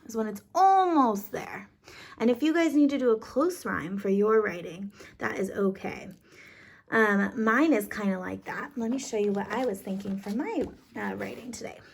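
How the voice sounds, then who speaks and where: A woman's voice: medium pitch, vocal fry, husky. A woman kindergarten teacher explaining a lesson casually, step by step, in an informal, encouraging way.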